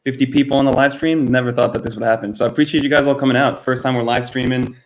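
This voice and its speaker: A man's voice: medium pitch, fairly even intonation, rapid-fire, low-quality recording. A young man from Miami hosting his first live stream, chatting casually and answering viewers by name, recorded on a built-in camera mic in a cluttered home room. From United States (Miami, Florida).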